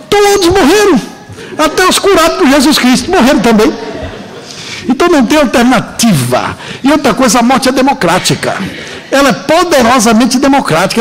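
A man with a Brazilian Portuguese accent lectures a live audience in an auditorium. His voice sits high and leaps all over the place as he stresses his points, slowing into long dramatic pauses between jokes. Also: poor audio. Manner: emphatic, joking, drawn-out dramatic pauses. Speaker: seminar lecturer.

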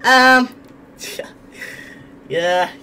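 A man's voice: extremely high pitch, drawn-out words, sharp tone, slight background noise. Hesitant young man repeating himself. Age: young adult. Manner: hesitant, repeats words over and over. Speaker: livestreamer. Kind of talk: casual livestream chat. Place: indoor room. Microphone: headset.

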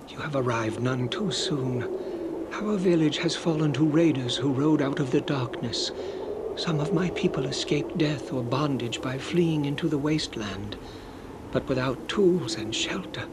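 A man's voice: medium pitch, close to an everyday voice. Man playing a solemn tribal elder, noisy ambience. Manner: solemn, formal. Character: grave, weary male tribal village elder. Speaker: village elder. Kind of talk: video game dialogue acting. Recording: loud buzzing ambient noise.

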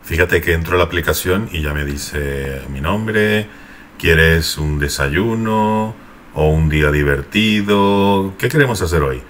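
A man hosting a video, chatting casually and quickly while demoing an app, laughing now and then. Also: low voice, fairly bright tone, a little hiss or hum. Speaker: tech YouTuber. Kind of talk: casual sponsored app demo.

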